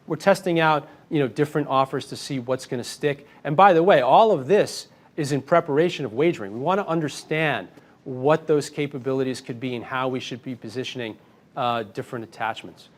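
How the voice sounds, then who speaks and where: A man speaking as a company executive, answering analysts on an earnings call in a confident, measured way. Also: mid-range voice.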